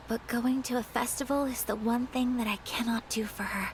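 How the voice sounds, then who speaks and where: A woman voicing a gentle, polite young noblewoman in a video game, soft-spoken and formal. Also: a little high, fairly even intonation, moderate pace, a little hiss or hum, close to an everyday voice, rough recording. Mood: wistful. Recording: game audio with background music.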